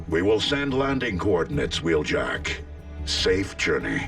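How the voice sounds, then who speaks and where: A man's cartoonish character voice, fairly low in pitch, at a moderate pace with clear music in the background. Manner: calm, commanding.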